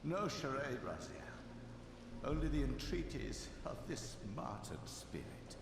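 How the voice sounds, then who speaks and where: A man's voice: medium pitch, big pitch swings, unhurried, creaky, background noise. A man acting the spirit of a scheming, sanctimonious old time sorcerer in a scripted video game, with theatrical, pleading oratory. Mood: solemn pleading. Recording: echoing hall reverb under loud music.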